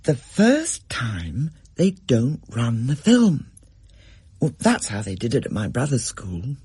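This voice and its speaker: A reader voicing a sensible, bossy schoolgirl who takes charge of her friends, in a husky voice. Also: medium pitch, wildly swooping pitch, takes it slowly, mellow, dry recording, full character voice. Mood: confiding.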